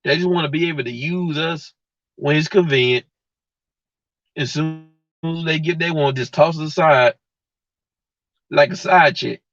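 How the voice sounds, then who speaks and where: A man's voice: on the high side, a little slow, pauses often, a bit bright, no echo. A man hosting a livestream, giving a blunt, heated, slangy rant straight to his viewers. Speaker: livestream host. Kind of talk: casual slangy rant to live chat. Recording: dull lo-fi mic.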